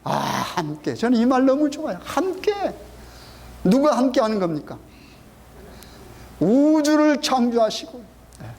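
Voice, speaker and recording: A man's voice: very high-pitched, a little mellow. A middle-aged male pastor preaching a sermon, quizzing the congregation with frequent questions and emphatic repetition. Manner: call-and-response questioning, emphatic. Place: church sanctuary.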